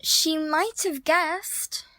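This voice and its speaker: Actress as a high-voiced, take-charge woman. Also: steady tone, drawn-out words, bright, forceful tone, no echo, full character voice. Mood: thinking aloud. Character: quick-thinking, take-charge woman leading a chase. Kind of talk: audio drama dialogue.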